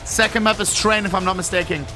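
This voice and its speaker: A man's voice: high voice, fairly even intonation, quick pace, music in the background. A man streaming a casual watch-along of an esports match, reacting live in short blurted asides.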